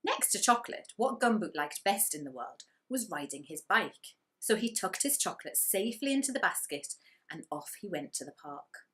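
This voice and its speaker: A woman reading a children's story aloud with expressive narration and dramatic emphasis on key words. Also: mid-range voice, moderate pace.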